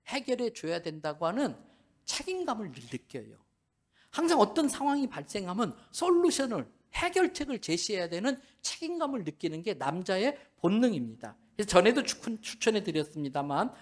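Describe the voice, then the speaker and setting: Lively middle-aged male pastor preaching. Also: sits high. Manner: animated storytelling, acting out dialogue with humor. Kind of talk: Sunday sermon. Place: church sanctuary.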